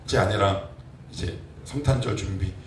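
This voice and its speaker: A man's voice: low voice, moderate pace, a little hiss or hum. Man preaching in an echoey church. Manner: conversational preaching with rhetorical questions. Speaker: pastor. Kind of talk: sermon. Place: church sanctuary. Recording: echoey church from a distant mic.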